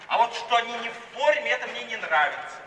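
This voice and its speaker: A charming, idle young man in a 1950s radio drama. His high voice is playful and mock-pompous. The recording is echoey, with clear hiss. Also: animated, fast talker, bright, forceful tone, distant mic, exaggerated voice. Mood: flippant. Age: young adult. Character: flippant, idle, charming young clergyman's son. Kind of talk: 1950s Soviet radio play acting.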